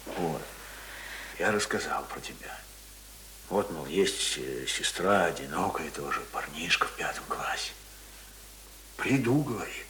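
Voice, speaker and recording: A talkative country brother in a radio drama, on the low side and very animated. He coaxes in folksy, halting phrases, over a light tape hiss. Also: full character voice. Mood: coaxing, explaining. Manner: colloquial, hesitant, coaxing. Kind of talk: naturalistic Russian radio play acting. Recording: hissy old radio recording.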